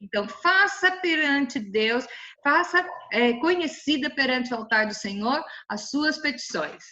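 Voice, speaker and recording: A Brazilian woman leads a Bible study with a bright, forceful, rather high voice. Her delivery is colloquial and lively, full of playful asides. The recording sounds dull and lo-fi. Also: unhurried, slight background noise. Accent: Brazilian Portuguese.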